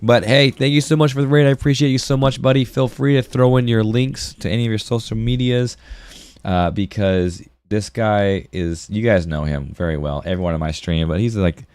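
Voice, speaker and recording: Low-voiced congested man chatting on stream. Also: steady tone, normal speed, darkish tone, smooth, no room sound. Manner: friendly, slangy, addressing viewers as buddy. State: sore throat and congestion. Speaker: art livestreamer. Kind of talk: casual livestream chat while drawing. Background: music.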